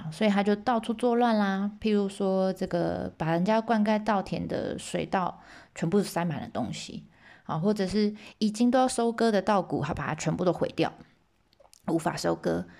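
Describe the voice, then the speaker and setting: A woman's voice: on the low side, vocal fry, darkish tone. Chatty woman storyteller. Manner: chatty, playful, asides to listeners. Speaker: storyteller host. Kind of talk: casual myth retelling.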